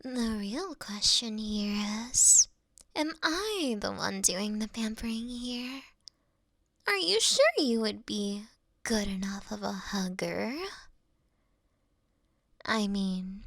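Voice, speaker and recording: A woman voicing a mischievous, doting fox woman in intimate roleplay ASMR, with a soft, breathy half-whisper and a coy, teasing delivery. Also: mid-range voice, expressive, takes it slowly, long pauses, dry recording, studio quality, full character voice.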